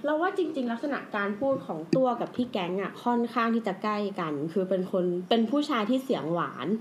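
Female co-host, chatty and teasing, fairly high, rapid delivery. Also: expressive, a little hiss or hum, low-quality recording. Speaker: podcast co-host. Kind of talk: casual chat.

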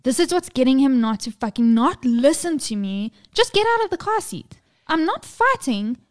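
A woman's voice: high voice, very animated, normal speed. A woman in her thirties co-hosting a podcast, chatting candidly about parenting, swearing freely and acting out the people in her stories. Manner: candid, swearing, acts out quotes. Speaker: podcast co-host. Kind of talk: casual chat.

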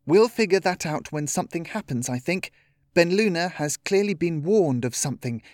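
Man voicing an earnest young girl leader, higher pitched. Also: animated, moderate pace, a little mellow, no echo, studio quality, natural voice. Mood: earnest, decisive. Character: earnest young girl taking charge of her friends.

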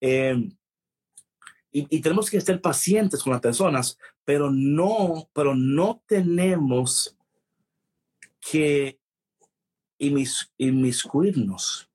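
A man co-hosting a casual Bible discussion, animated and full of restarts, mixing English phrases into his Spanish. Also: fairly high pitch, slow, long pauses, husky. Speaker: co-host of a Bible talk show.

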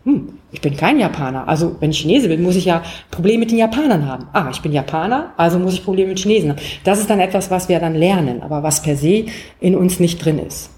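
A woman's voice: fairly low pitch, lively intonation, fast, mellow. A woman, a qigong teacher, explaining her method as a guest in an interview, with many filler sounds. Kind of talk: interview over distance.

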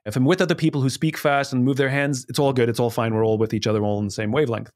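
A middle-aged man, a podcast guest who explains his ideas quickly and with energy in casual conversation. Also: mid-range voice, little pitch movement, a little mellow, no room sound, studio quality.

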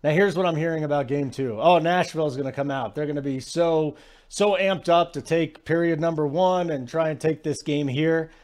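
A man's voice: on the high side, normal speed, a little mellow. Emphatic male sports radio host. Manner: emphatic, keeps asking "okay?". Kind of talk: casual sports talk.

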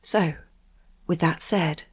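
Lowish croaky-voiced woman narrating true crime. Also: slow pace, over loud music. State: croaky voice in parts. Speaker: podcast host and narrator.

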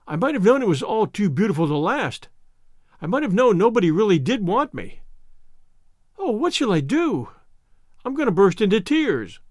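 A man reading aloud and voicing an eager, dramatic orphan girl of about eleven in a higher, breathless, gushing tone. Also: very animated, moderate pace, pauses often, no room sound, clean studio sound. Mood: despairing.

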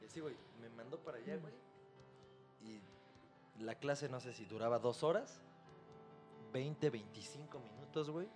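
A young man with a Mexican accent, at an ordinary mid pitch. He talks in a loose, profane, slang-heavy way, like a casual podcast chat. Music plays faintly under his voice. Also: normal speed, pauses often, darkish tone. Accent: Mexican Spanish.

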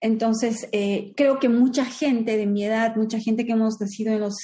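This is a woman in her forties with a Peruvian accent, talking as an interview guest. Her voice sits a little high but sounds warm and soft. She reflects out loud, often restarting phrases and pausing on fillers. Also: flat delivery. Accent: Peruvian Spanish. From Peru. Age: 40s. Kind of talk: conversational interview.

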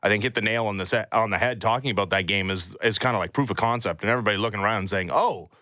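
A man's voice: fairly low pitch, racing, sharp tone, dry recording. A man hosting sports talk radio, emphatic and opinionated, close on a studio mic. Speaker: sports radio morning show host. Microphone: close studio microphone.

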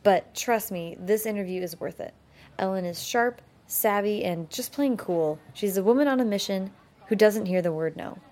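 A woman podcast host narrating a scripted introduction with a measured, upbeat delivery. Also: medium pitch, darkish tone.

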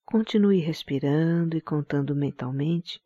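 A man leading a guided meditation in a calm, soothing manner, giving slow relaxation instructions. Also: fairly high pitch, no echo, highs cut off.

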